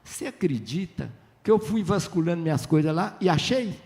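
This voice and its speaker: A man's voice: fairly high pitch, moderate pace, vocal fry. An older man from Minas Gerais, telling chatty stories as a writer on a literary festival panel, often acting out dialogue. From Minas Gerais, Brazil. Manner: lively, chatty, tag questions, acts out dialogue.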